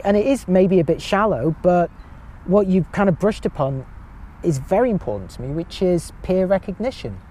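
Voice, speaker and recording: High-voiced man, chatty and self-mocking. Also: mellow. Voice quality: high-pitched voice. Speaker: podcast guest. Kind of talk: casual chat.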